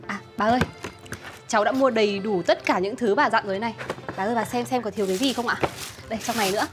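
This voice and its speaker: A woman's voice: fairly high pitch, fast, over music, natural voice. An actress playing a polite young woman, speaking deferentially to an elderly woman. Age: young adult. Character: polite young woman caring for her fiancé's grandmother. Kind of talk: TV drama acting.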